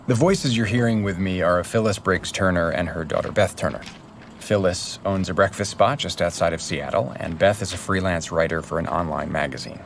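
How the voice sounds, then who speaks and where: A serious investigative journalist hosting an audio drama podcast. His voice sits low and he explains things in a measured, absorbed way. There is light noise behind him. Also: gravelly. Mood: measured, explanatory. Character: earnest male true crime podcast journalist, measured and absorbed. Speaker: podcast host and narrator. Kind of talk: scripted documentary podcast narration.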